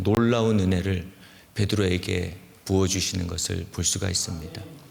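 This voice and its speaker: With a Busan accent, a man talks at a moderate pace in a somewhat breathy voice, with audible room echo. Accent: Busan dialect (Gyeongsang). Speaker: pastor. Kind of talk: sermon.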